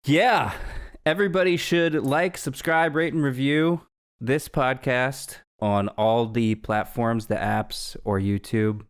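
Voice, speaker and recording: A man's voice: medium pitch, slow pace, clear, resonant tone. A man co-hosting a casual podcast, laid-back and agreeable. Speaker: podcast co-host. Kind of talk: casual chat.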